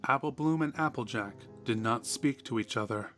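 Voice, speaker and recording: A man's voice: mid-range voice, moderate pace, fairly bright tone. A man reading a horror story as a dramatic scripted narration. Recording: music behind the voice. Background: music.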